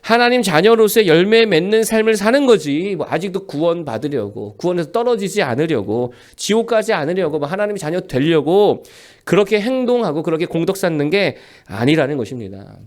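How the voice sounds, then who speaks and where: A man in his forties preaching a sermon as a pastor, emphatic and animated, asking rhetorical questions. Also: high voice, brisk.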